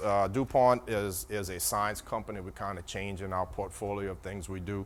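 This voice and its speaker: Speaking with a Louisiana accent, a man with a fairly low pitch talks at a fairly quick pace with hardly any pauses and big swings in loudness, amid audible room echo. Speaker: industrial leak detection surveyor. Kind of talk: conference presentation. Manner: halting, many fillers.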